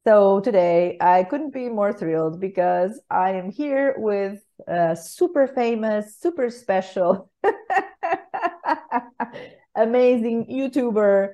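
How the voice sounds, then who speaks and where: A woman hosting an interview podcast, enthusiastic and quick to laugh. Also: medium pitch, warm tone. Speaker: podcast host.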